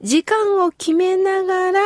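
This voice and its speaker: A middle-aged woman from Kitakyushu giving gentle, slow, explanatory advice in a scripted talk. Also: very high voice, fairly even intonation, dry recording, studio quality. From Kitakyushu, Japan.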